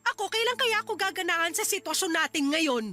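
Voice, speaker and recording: A woman's voice: extremely high pitch, animated, fast talker, pushed and bright, soft background music, heavily acted. A woman playing a young wife in a radio drama, heated and scolding. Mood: angry. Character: angry young wife, sharp and confrontational.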